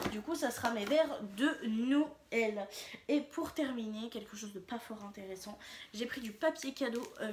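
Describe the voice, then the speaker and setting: A woman's voice: mid-range voice, slight background noise. A woman talking casually to her viewers in a shopping haul vlog, chatty and rambling, with frequent hesitations and fillers. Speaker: vlogger.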